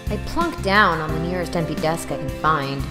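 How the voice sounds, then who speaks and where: A woman's voice: sits low, moderate pace, long reverb tail, lightly acted. An actress playing a sarcastic, exasperated young college student who narrates her own story in an audio drama, wry and self-deprecating. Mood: sarcastic, irritated. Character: snarky, exasperated 24-year-old woman, broke college student. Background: music.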